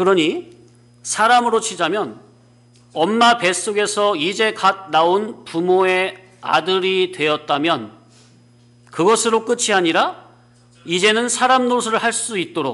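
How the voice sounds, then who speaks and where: Speaking at a very slow pace with long, frequent pauses, a man uses a bright, sharp tone, a high pitch and ordinary pitch variation. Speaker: pastor. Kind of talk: sermon. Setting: church.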